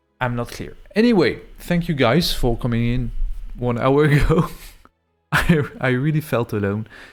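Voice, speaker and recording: With music playing in the background, a man speaks with a French accent at a moderate pace, leaving long, frequent pauses. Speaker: streamer. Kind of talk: live stream chat. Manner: halting.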